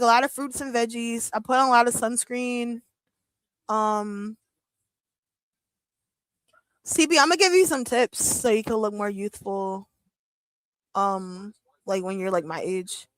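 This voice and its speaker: A woman's voice: on the high side, a bit bright, no echo, low-quality recording. A woman in her thirties chatting casually on a live wrestling watch-along, joking with her chat, laughing often and using lots of fillers. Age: 30s. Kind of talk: casual live-stream chat reading comments.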